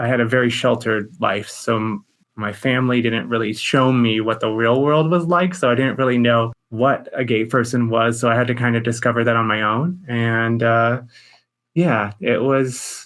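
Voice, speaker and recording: A normal speaking voice from a man holds very even loudness, with ordinary pitch variation. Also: medium pitch for a man, moderate pace. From Texas, southern. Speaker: tabletop content creator. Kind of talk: interview conversation.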